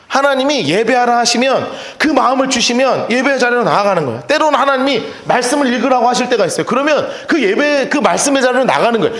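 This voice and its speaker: A male pastor preaching a sermon in a lively, storytelling way, often laughing as he talks. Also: high voice, echoey room. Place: church sanctuary.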